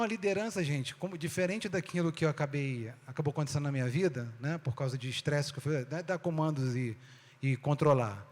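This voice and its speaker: A Brazilian man giving a talk to an audience, with a conversational style full of rhetorical questions. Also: fairly high pitch. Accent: Brazilian Portuguese. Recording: long hall reverb.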